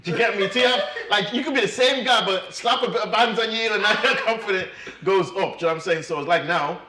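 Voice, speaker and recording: A young Irish man with a high, bright voice talks fast and forcefully. He's a guest trader in casual chat, laughing often and repeating his phrases, and the room sounds echoey.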